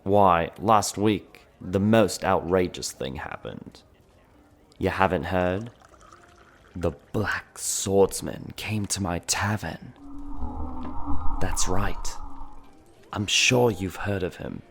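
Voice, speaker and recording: A man's voice: deep voice, slow, pauses often, exaggerated voice. A man playing a gossipy fantasy tavern owner, telling a tale straight to the listener in a conspiratorial, dramatic ASMR roleplay. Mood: ominous, secretive. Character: male tavern owner, gossipy storyteller of a dark fantasy town.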